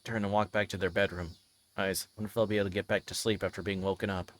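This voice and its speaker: A man's voice: deep voice, little pitch movement, fast, a bit bright. A man livestreaming a visual novel, chatting casually and reading aloud, sometimes stumbling over his words. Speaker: streamer.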